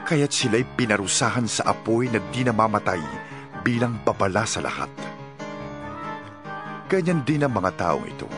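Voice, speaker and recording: A man with a Filipino accent reads scripture as a dramatized narration, solemn and emphatic, in measured phrases. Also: lowish voice, very animated. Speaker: audio Bible narrator. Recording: music under the voice. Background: music.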